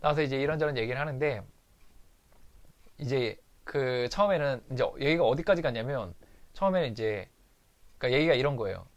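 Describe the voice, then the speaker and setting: A man's voice: medium pitch, fairly quick, pauses often, dull audio. A man candidly recounting a fight with his wife in a personal recovery diary monologue. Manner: candid, confessional storytelling.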